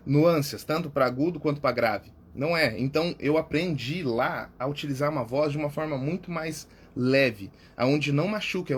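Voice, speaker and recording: A man with a Brazilian Portuguese accent giving a casual lesson as a public speaking coach, repeating key words and tagging his phrases with quick check-ins. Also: fairly high pitch, a little hiss or hum. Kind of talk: casual instructional talk.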